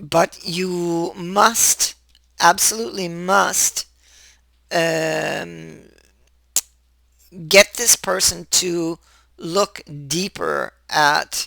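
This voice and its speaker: Very slow delivery with long, frequent pauses. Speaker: tarot reader. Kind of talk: tarot reading. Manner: hesitant, many fillers.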